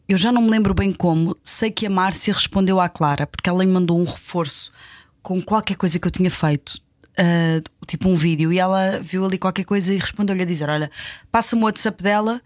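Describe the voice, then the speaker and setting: Lively Portuguese storyteller woman, dry close sound. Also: medium pitch, no room sound. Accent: European Portuguese. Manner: animated storytelling, acts out quoted voices. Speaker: actress telling a story as a guest. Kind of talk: casual chat.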